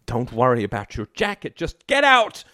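A man's voice: medium pitch, slow pace, darkish tone, dry recording, studio quality. A man voicing a furious, bitter wife who shrieks orders at her family in a dramatic story. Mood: tense, urgent. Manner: shrieking, commanding, breaking off.

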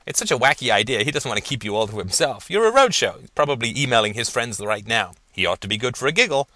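A man's voice: medium pitch, expressive, quick pace, bright, forceful tone, dry recording. A man doing a wisecracking young buddy. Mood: teasing. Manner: sarcastic, joking. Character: young male friend, wisecracking and teasing.

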